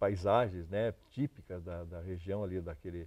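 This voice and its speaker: A man's dark, mellow voice, fairly even in intonation, over a quiet background. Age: 70s. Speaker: nature photographer, former dentist. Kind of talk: TV interview.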